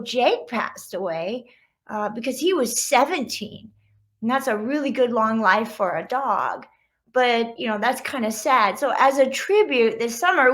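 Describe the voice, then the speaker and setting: A woman's voice: fairly high pitch, fairly bright tone. A middle-aged woman chatting informally as an author introducing a storybook read-aloud. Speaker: children's book author reading aloud.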